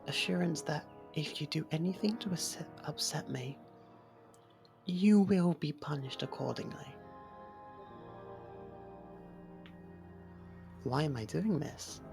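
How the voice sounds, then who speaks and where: A woman voicing a possessive, softly menacing fairy royal in love, coaxing in an ASMR roleplay and slipping into whispers. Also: low-pitched, normal speed, vocal fry, faint music behind. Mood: calm, coaxing.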